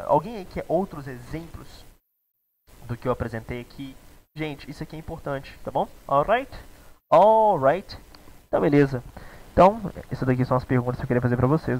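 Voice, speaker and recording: A man's voice: mid-range voice, a little mellow, no echo, low-quality recording. A young man with a Brazilian Portuguese accent, teaching a live online English class in a casual, chatty way, often checking in with his students.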